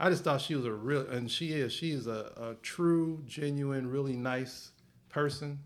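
A fairly high-pitched man at a moderate pace, fairly even intonation, and audible room echo. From Michigan. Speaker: father. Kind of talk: casual chat.

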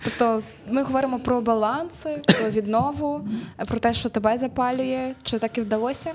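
A woman speaks at a moderate pace in a high pitch while noticeable background noise plays underneath. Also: ordinary pitch variation. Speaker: podcast host. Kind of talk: interview.

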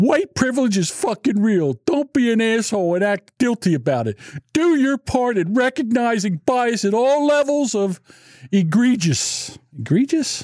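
A man with an extremely high pitch and lively intonation, moderate pace, very even loudness and a dry, close sound with no echo. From Delaware County, Pennsylvania. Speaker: podcast host. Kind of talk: casual chat. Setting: studio, live-streamed.

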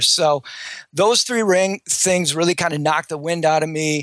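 A man speaks at a moderate pace in a plain, everyday voice with fairly even intonation, the sound dry and close with no echo. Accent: American. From US Midwest, Minnesota. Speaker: business founder. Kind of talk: interview.

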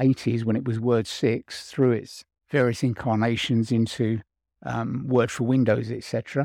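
A man with a London accent, medium in pitch and dark and mellow in tone, at a fairly slow pace, in a very clean recording with a silent background and dry, close sound with no echo. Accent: southern English (London). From North London, England. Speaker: author, retired IT consultant. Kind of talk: interview. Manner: hesitant, many fillers.

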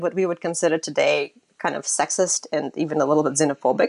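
With a Russian accent, a woman talks at a fairly quick pace in a dry, close sound with no echo. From Saint Petersburg, Russia; raised in US from age 13. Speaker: writer and parent. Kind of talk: interview conversation.

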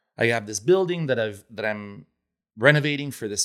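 In a very clean recording with a silent background, a man with an Italian accent speaks at a moderate pace with lively intonation. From Italy and Monaco. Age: 40s. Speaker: restaurant owner. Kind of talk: interview. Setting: studio.

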